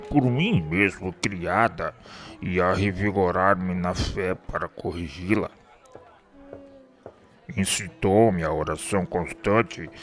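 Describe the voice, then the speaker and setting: Radio drama lead: male actor as remorse-haunted murderer, anguished and declamatory, low register, very measured delivery. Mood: resigned, solemn. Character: tormented, remorseful man haunted by his murder. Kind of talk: radio drama acting, formal literary speech.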